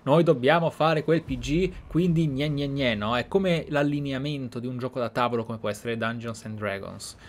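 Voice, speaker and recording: A gaming streamer talks over game sound in a medium-pitched voice, keeping a moderate pace with few pauses. His roleplay commentary is casual and reflective, explaining things and repeating words for emphasis, with slight background noise.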